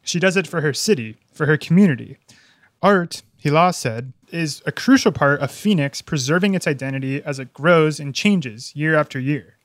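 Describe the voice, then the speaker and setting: A man narrating a news feature as a reporter, steady and measured. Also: on the high side, dry recording.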